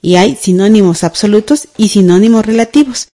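A woman co-teaches a radio language class. She explains slowly and clearly in a calm, mellow voice. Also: mid-range voice. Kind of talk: radio school lesson.

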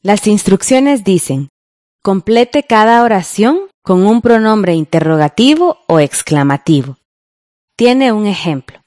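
A woman leads listeners through exercises on a radio lesson, friendly and guiding. Her mid-pitched voice sounds close and dry, with no room around it. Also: expressive, unhurried, darkish tone, dry recording. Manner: friendly, guiding, asks the listener to follow along. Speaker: radio teacher, co-host.

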